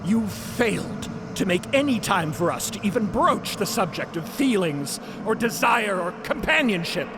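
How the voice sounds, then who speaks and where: An actor playing a prim, reproachful man with formal, measured, scolding speech in an audio drama. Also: high-pitched, very animated, background noise. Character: prim, reproachful man inhabiting another's former body. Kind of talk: audio fiction drama acting.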